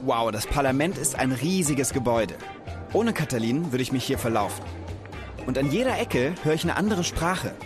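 A man presenting a children's knowledge show, talking straight to young viewers in an upbeat, animated way. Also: medium pitch, normal speed, over music. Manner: lively, addresses viewers directly as kids.

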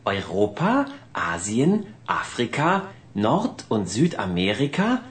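Woman voicing Theo, a low-voiced know-it-all boy. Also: very animated, takes it slowly, full character voice. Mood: lecturing. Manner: lecturing, matter-of-fact. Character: bookish know-it-all boy explorer, earnest. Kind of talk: children's cartoon voice acting.

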